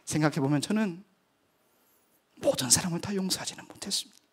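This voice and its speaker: Middle-aged male missionary preacher, high-pitched, earnest storyteller in a sermon testimony. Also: expressive, brisk, husky.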